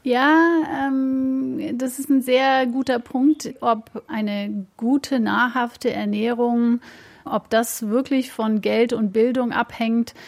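A woman's voice: on the high side, steady tone, slow pace. A woman whose first language is English, a food blogger answering radio interview questions thoughtfully, searching for words with fillers. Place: on location by a lake.

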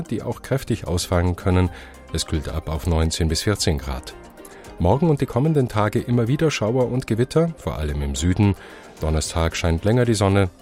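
A deep-voiced man reads scripted radio news and traffic reports into a studio microphone. His delivery is steady and matter-of-fact, with faint music behind him. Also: no echo. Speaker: newsreader.

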